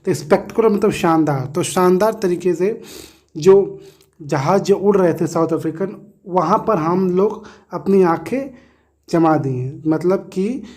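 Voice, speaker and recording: A man's voice: high-pitched, measured pace, darkish tone. A man teaching a textbook lesson, explaining word meanings with everyday examples, often checking in with a tag question and correcting himself.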